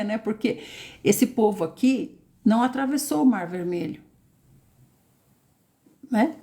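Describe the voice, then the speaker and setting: A woman reading and teaching the Bible live, expressive and addressing listeners by name. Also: medium pitch.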